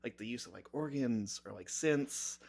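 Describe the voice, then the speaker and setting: A man's voice: medium pitch, normal speed, vocal fry, a little mellow. A man chatting casually as a podcast panelist, often restarting and repeating his words as he goes. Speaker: podcast panelist discussing a metal album. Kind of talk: casual chat.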